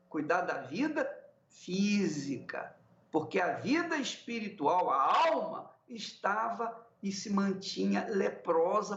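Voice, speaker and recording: A man's voice: sits high, vocal fry, a bit bright. A man, a bishop, preaching emphatically in a televised sermon and repeating his key phrases. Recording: echoey, dull lo-fi sound.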